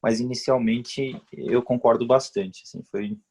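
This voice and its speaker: A man, a medical resident in a casual podcast chat, who speaks hesitantly with halting restarts. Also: mid-range voice, steady tone, vocal fry, a little mellow, breathy edge.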